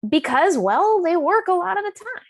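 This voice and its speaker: A woman author being interviewed, speaking in an animated, emphatic and informal storytelling way. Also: very high voice, moderate pace, no echo, studio quality. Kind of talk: conversational storytelling in a public talk.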